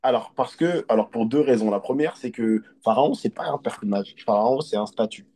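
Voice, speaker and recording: A man from Côte d'Ivoire, a hypnotist, talking in an earnest, reflective and halting way as an interview guest. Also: medium pitch, dark tone. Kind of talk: casual interview conversation.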